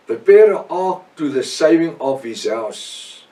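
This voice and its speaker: A middle-aged man with a South African Afrikaans accent teaches scripture in an earnest, emphatic way. His phrases are short and halting, often repeated for weight. He sounds a little away from the microphone, in a very echoey room. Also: on the high side, animated, warm tone, recorded from a distance. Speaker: preacher and Bible teacher. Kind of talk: extemporaneous Bible teaching sermon.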